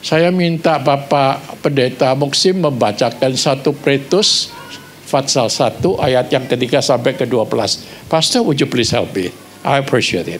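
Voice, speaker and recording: There is audible room echo and noticeable background noise as a man talks fairly slowly in a fairly high voice with ordinary pitch variation. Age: 80s+. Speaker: visiting pastor. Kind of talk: sermon. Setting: church, seated, not at pulpit.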